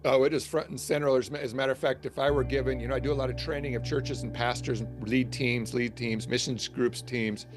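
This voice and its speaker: A man's voice: medium pitch, steady tone, brisk, hardly any pauses, over music. A middle-aged man, a guest author and church trainer, giving enthusiastic explanatory answers and often restarting his sentences. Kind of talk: interview answers.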